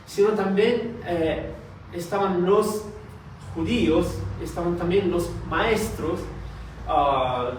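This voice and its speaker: Hombre tímido predicando en una sala con mucho eco. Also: male voice, high voice, slow. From Italy. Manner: hesitant, many fillers and restarts; soft-spoken, shy. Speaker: preacher. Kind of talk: sermon with prayer. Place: church hall. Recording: distant mic in very echoey hall, faint noise.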